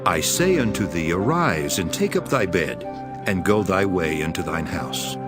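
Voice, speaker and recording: Male actor as calm authoritative teacher, solemn scripture drama, lowish voice, music underneath. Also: measured pace. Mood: calm, commanding. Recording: music behind the voice.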